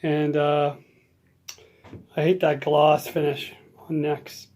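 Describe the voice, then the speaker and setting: A man talking casually in a relaxed, rambling way as he works on a guitar in his home workshop vlog. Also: fairly high pitch, slow. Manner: rambling, easygoing, lots of fillers. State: hiccups. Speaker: guitar hobbyist vlogger.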